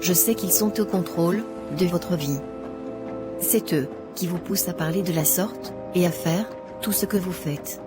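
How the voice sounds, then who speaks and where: A woman's voice: on the low side, measured pace, close to an everyday voice. A woman voicing a self-righteous, impatient young Christian woman in a cartoon, lecturing in a preachy way over music. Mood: preachy, stern. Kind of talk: scripted cartoon dialogue. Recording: music behind the voice.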